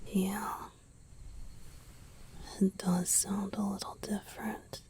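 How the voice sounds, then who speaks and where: A woman voicing a gentle, teasing, affectionate young male vampire boyfriend in a breathy, intimate ASMR roleplay. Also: mid-range voice, level tone, slight background noise, lightly acted. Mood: tender whisper. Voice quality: breathy, mostly whispered. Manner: slow, intimate, soothing, softly teasing.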